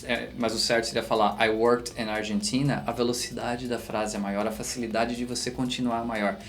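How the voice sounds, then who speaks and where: A man with a Brazilian Portuguese accent, a co-host teacher who calmly adds advice on pronunciation and practice. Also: mid-range voice, brisk, soft background music. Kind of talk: casual classroom explanation.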